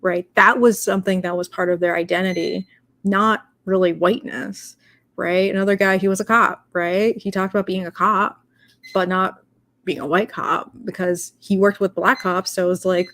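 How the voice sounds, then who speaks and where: A woman's voice: medium pitch, steady tone, normal speed, a bit bright. A young woman in casual discussion, talking in a rambling way with many fillers and restarts.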